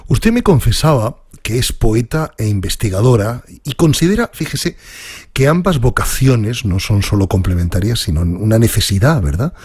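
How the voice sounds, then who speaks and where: A man hosting a formal interview, reading a polished introduction and asking measured questions. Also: medium pitch, expressive, a little mellow, breathy edge, no room sound, studio quality. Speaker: interviewer host.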